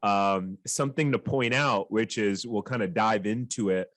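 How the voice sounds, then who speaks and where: A man's voice: lowish voice, normal speed, a bit bright, no room sound. Upbeat male podcast host. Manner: upbeat, enthusiastic. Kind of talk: podcast interview.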